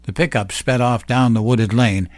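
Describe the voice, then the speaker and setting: A man's voice: medium pitch, fairly even intonation, normal speed. A man reading a scripted work of fiction as narrator. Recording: roomy echo, faint music bed.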